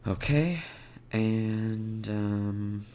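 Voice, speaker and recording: A man hosting an informal coding screencast tutorial, thinking aloud in halting short fragments as he works. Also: lowish voice, a little mellow, slight background noise. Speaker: web development tutorial host. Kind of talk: informal screencast coding tutorial, explaining steps while typing. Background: computer keyboard typing and clicks.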